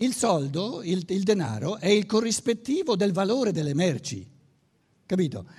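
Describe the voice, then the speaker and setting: In a Lombard accent, a man talks at a fairly slow pace. His pitch is high for a man. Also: lively intonation. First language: Lombard (speaking Italian). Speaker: lecturer. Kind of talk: lecture. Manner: halting, many repetitions.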